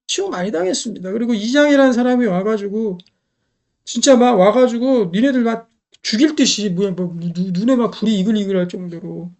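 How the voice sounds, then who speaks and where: A woman's voice: medium pitch, a little fast, a little mellow. A middle-aged woman preaching a sermon, emphatic, repeating key phrases and putting rhetorical questions to the congregation.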